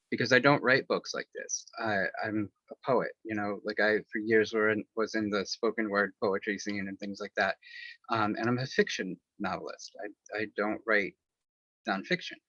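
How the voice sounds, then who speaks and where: Bright-voiced man, rambling and candid. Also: on the low side, no echo. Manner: rambling, many fillers and restarts; candid, personal. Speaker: author and interview guest. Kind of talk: casual interview answer. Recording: dull lo-fi, dry sound.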